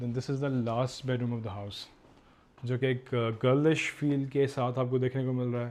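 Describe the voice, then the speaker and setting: A man at a medium pitch speaks with monotone, flat intonation. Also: moderate pace. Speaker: real estate presenter. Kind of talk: property walkthrough tour. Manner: fluent commentary style.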